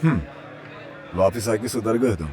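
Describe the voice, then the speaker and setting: A man dubbing a relaxed, friendly young man. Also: on the low side, measured pace, natural voice. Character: easygoing young man on the phone. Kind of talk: dubbed TV drama acting. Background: background music.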